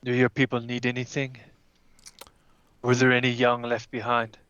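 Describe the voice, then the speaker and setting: Measured man, dry but slightly dull sound. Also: mid-range voice, monotone, a bit bright, clean tone, no room sound. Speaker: tabletop game player. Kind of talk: in-character roleplay mixed with casual play.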